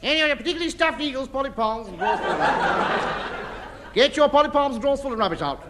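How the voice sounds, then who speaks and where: A man's voice: very high-pitched, lively intonation, fast, very noisy, voice pushed up. An actor playing a rag-and-bone man calling his wares down the street in a sing-song holler, from an old radio comedy recording. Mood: hawking. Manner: sing-song hawker's call.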